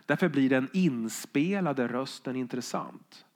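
Gravelly-voiced man giving a reflective lecture. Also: mid-range voice. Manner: reflective, measured delivery with quoted passages. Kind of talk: spoken lecture on the voice.

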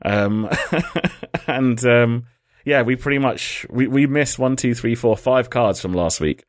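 A man's voice: medium pitch, takes it slowly, dry recording, clean studio sound. A man hosting a casual podcast, rambling and joking at his own expense. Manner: jokey, rambling, laughs at himself. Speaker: podcast host.

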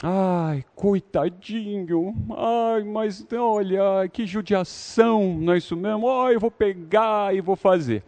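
A man voicing a doting woman cooing over a crying baby, soft and pitying. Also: high voice, takes it slowly, few pauses, voice pushed up.

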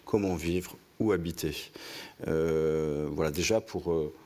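Host, very deep mellow male voice, halting delivery. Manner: halting, searching for words, many fillers. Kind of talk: interview conversation.

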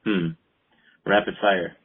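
A man's voice: sits low, steady tone, takes it slowly, husky. A man, a clinical herbalist, talking as a guest over a speakerphone call in a rambling, easygoing way with lots of fillers. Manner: rambling, full of "like" and "you know". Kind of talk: casual interview talk. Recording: tinny phone line.

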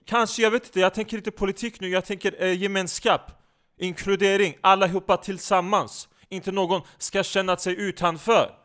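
A man voicing a brash, excitable comedian who speaks loud, broken Swedish. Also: sits high, clear, resonant tone, pitched above the performer's own voice. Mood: earnest. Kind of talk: comedy podcast sketch.

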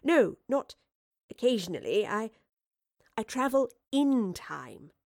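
A woman's voice: on the high side, very animated, creaky, a little mellow, no echo, studio quality, heavily acted. A woman voicing an educated young Victorian lady inventor, earnest and anxious, in an audiobook story. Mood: quiet, hesitant. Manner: well-spoken, earnest, halting when explaining. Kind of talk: acted audiobook dialogue.

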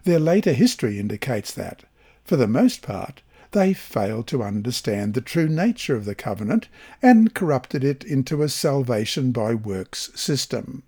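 A man reading a Bible study lesson aloud in a measured, even scripted delivery. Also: mid-range voice, breathy edge. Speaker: lesson reader.

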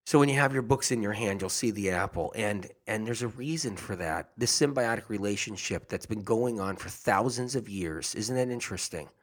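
A man's voice: lowish voice, moderate pace, few pauses. A man talking casually and earnestly to his audience about health, rambling and often repeating himself. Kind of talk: casual monologue.

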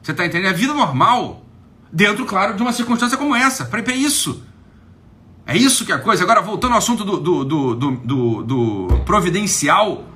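A man's voice: a little high, pushed and bright. A man with a Brazilian accent hosting a live stream, talking casually and emphatically, swearing often and asking again and again if you get it.

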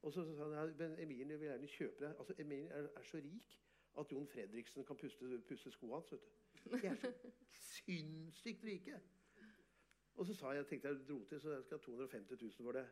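A man, an artist and photographer, telling animated, boastful stories in an interview and often laughing. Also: fairly high pitch. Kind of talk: casual storytelling interview.

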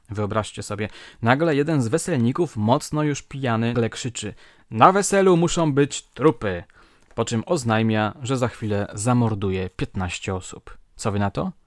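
A man's voice: lowish voice, normal speed, no echo, clean studio sound. Man dramatically narrating crime stories. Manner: dramatic reading with lively quoted shouts. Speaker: podcast host. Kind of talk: storytelling narration of old crime reports.

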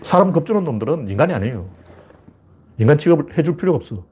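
Heated husky man ranting fast. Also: fairly high pitch, big pitch swings, dark tone. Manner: heated, emphatic, acts out taunting questions. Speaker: political commentator. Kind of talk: political monologue.

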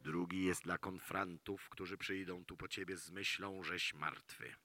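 Guy doing big fairytale giant, low and bossy, solemn, loud music behind. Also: fairly even intonation, unhurried. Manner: terse, commanding, solemn. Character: huge commanding male giant from a fairy tale. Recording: live concert with loud music.

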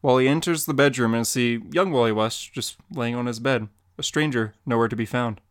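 A man's voice: medium pitch, a little fast, dry recording. Guy reading out comic panels, plain and matter-of-fact, dry mic. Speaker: podcast co-host.

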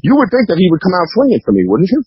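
Husky, animated New man on the phone. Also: high voice, racing, no echo. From New York, US. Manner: blunt, repeats himself, imitates others' remarks. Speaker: interview guest, underground rapper. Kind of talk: casual, profane phone interview rant. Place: phone call. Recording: dull lo-fi phone line.

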